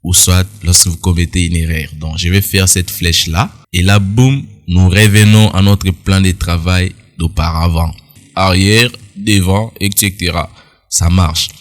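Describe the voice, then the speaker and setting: A man's voice: low-pitched, steady tone, measured pace. A man walking viewers through a phone editing app in a casual, explanatory screen-recorded tutorial. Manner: explanatory, addresses viewers directly, casual asides. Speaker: tutorial instructor.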